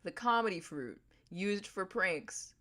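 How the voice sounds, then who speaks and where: A young woman with a deep voice chatting casually on a gaming livestream, rambling in a playful, laid-back way. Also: animated, slow pace, sharp tone, slight background noise. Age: young adult.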